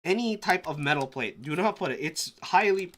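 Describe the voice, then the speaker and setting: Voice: medium pitch, animated, normal speed, fairly bright tone. A live streamer casually thinking aloud, muttering to themself with restarts and sudden exclamations. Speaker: live streamer testing keyboards.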